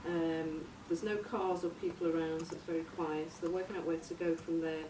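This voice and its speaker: A woman informally pitching a story outline in a tentative, halting way, searching for her words. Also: fairly even intonation. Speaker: workshop participant presenting a radio drama outline. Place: echoey room, recorded from a distance. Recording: roomy, distant mic, noisy background.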